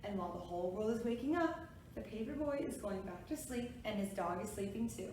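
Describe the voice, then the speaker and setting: A woman's voice: medium pitch, lively intonation, a little fast, darkish tone. A woman with a kindergarten teacher voice, hosting a children's storytime, reading picture books aloud and guiding young listeners with simple, encouraging directions. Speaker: preschool storytime reader and host. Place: echoey room, away from the mic. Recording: very echoey room, distant mic, faint noise.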